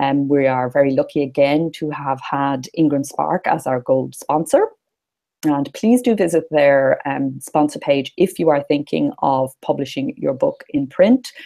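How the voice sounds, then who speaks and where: A woman in an Irish accent at a fairly slow pace. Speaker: online conference host. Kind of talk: live broadcast welcome. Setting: live online broadcast.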